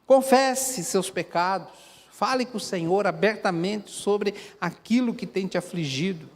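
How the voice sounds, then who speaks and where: A man's voice: sits high, unhurried. A man with a Brazilian Portuguese accent preaching a sermon as a pastor, earnest and conversational, putting direct questions to the congregation. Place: church sanctuary. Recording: long hall reverb in a church.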